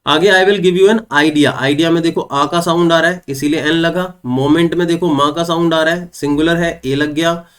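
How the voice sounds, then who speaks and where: In an online exam-prep class, a young man whose voice sits slightly higher than most men's teaches English grammar. He goes through examples one step at a time, posing questions and answering them himself, and reads each English sample sentence slowly and clearly. His tone is steady and a touch bright.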